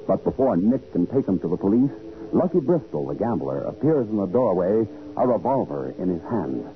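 A man's voice: on the low side, sing-song, moderate pace, a little hiss or hum. A man announcing and narrating dramatically in the scripted style of 1940s radio. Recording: tinny phone-like 1940s radio recording. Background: music.

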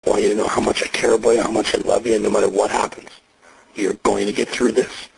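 A man on a recorded jail payphone call, coaching and reassuring the caller in a profane, steady way. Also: lowish voice, fast, gravelly, background noise. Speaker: agent on a phone call.

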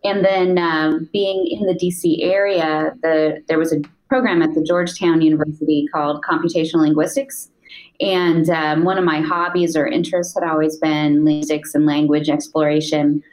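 A woman from the United States is a guest on a podcast, and her voice sits very low for a woman. She talks through her career in a relaxed, matter-of-fact way, often pausing on an um. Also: low-quality recording. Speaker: podcast guest, voice interface designer. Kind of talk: interview answers, career story.

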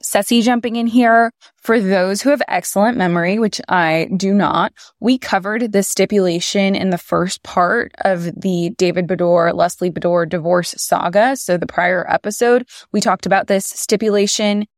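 A woman's voice: medium pitch, steady tone, moderate pace, hardly any pauses, no room sound, clean studio sound. A woman hosting a podcast, giving conversational legal commentary in a blunt way. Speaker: podcast host.

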